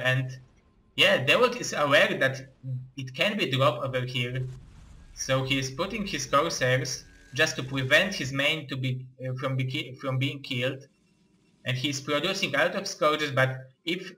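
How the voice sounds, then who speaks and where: A young man with an Eastern European accent, giving live play-by-play game commentary in halting, excitable non-native English. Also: medium pitch, low-quality recording. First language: not English.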